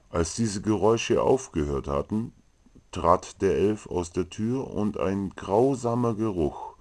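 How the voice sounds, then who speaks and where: A man's voice: low voice, a little mellow. A man narrating a comic fantasy story from a script.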